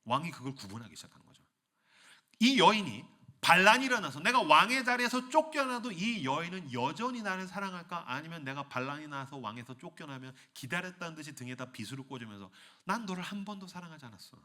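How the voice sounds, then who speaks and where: A man's voice: fairly high pitch, quick pace. A man preaching to a young adults' retreat in a church hall, playful and acting out scenes. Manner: animated, playful, acts out scenes. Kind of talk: sermon.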